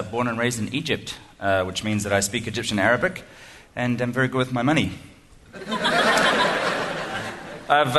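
Here the New Zealand guest speaker's voice sits mid-range, sounding pushed and bright, with a touch of hiss or hum in the recording. He's addressing a lecture hall with a humorous, self-deprecating keynote, chatty and full of ums and false starts.

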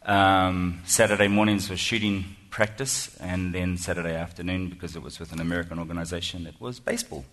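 A man's voice: deep voice, little pitch movement, brisk, few pauses, fairly bright tone. A man with a New Zealand accent giving a self-deprecating, chatty speech to an audience, full of ums and restarts. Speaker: guest speaker. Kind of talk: humorous keynote speech. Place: lecture hall before an audience.

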